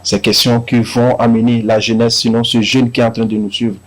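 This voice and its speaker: A man hosting a studio talk show, with a Togolese accent and a middle-pitched, ordinary voice. He welcomes the audience and guest with lively, formal presenter phrasing. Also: brisk. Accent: Togolese French.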